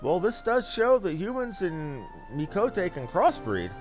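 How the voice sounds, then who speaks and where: A man's voice: high-pitched, very animated, a little slow, soft background music. A man streaming a video game, commenting as he plays. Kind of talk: reading game dialogue aloud with brief commentary.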